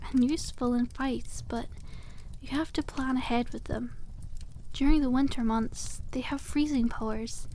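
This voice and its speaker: A cute young witch shopkeeper played by a woman talks in a fairly high, soft ASMR voice. She is cheerful and quaintly polite, gently selling dragon eggs to a customer. There is noticeable ambient noise behind her. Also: lightly acted, rough recording. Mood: candid, friendly. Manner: gentle sales patter, quaint polite wording. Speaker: ASMR roleplay performer. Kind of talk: soft-spoken ASMR roleplay, one-sided conversation with a customer.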